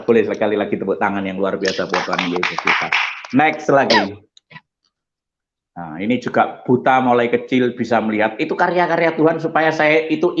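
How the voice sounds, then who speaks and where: Animated pastor man, lo-fi. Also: mid-range voice. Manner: animated storytelling, acts out quoted voices. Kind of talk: testimony sermon.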